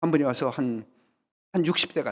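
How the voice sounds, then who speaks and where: A man with a fairly high voice talks with lively intonation. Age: 60s. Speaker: pastor. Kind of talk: sermon. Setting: church. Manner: animated.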